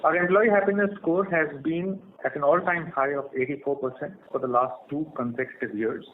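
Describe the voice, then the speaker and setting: Male executive, slightly high voice, scripted earnings-call delivery, narrow phone-line sound. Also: fairly quick. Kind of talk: scripted corporate earnings presentation. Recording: tinny phone line with faint noise.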